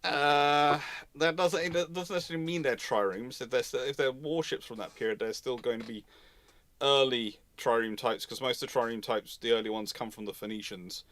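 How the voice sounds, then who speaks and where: A man's voice: medium pitch, normal speed, a bit bright. A man hosting an unscripted live history question-and-answer session, talking discursively and correcting himself as he thinks aloud. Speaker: naval history host answering audience questions.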